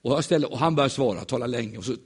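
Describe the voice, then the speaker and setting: A man preaching in a church, telling stories in a lively, joking way and acting out the voices of the people in them. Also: mid-range voice, husky. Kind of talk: humorous sermon storytelling.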